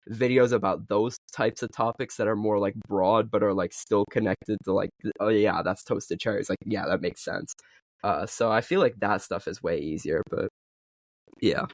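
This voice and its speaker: A man's voice: on the low side, steady tone, no room sound, studio quality. Young man chatting, heavy with fillers. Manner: halting, filler-heavy, lots of "like". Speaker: podcast co-host and video creator. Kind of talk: casual podcast chat.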